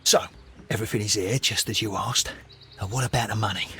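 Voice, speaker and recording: An actor playing a shifty, defensive, money-minded black-market supplier in a game, with a very raspy voice. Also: male voice, fairly low pitch, steady tone, a little fast, fairly bright tone, slight background noise, close to an everyday voice. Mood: defensive, insistent. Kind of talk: scripted game dialogue.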